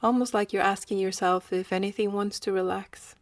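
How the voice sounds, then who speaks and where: A woman leading a guided meditation in a slow, gentle manner with long pauses. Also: mid-range voice, fairly even intonation, dry recording.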